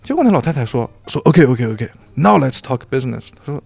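A man's voice: medium pitch, brisk, creaky, no room sound, soft background music. A man from Xinjiang, China, a podcast guest telling a story in casual chat and acting out quoted dialogue. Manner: animated, acts out quoted dialogue.

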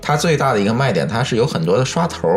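A man's voice: medium pitch, sing-song, quick pace. A man with a Beijing accent, chatting casually and explaining things at length, often posing questions as he goes. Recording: music bed behind the talk.

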